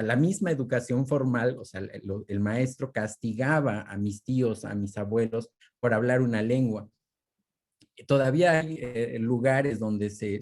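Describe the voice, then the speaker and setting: A man from Mexico whose first language is Mixe speaks earnestly as a panelist, with a mellow, warm tone. He talks in a measured way, often restarting his words over a video call. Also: mid-range voice. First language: Ayuujk (Mixe). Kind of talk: panel discussion answer.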